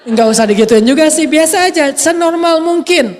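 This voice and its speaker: A man giving a humorous sermon, acting out little scenes with a soft voice that people often take for a woman's. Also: very high voice, animated, brisk, in a large hall. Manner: playful, acts out little scenes. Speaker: preacher.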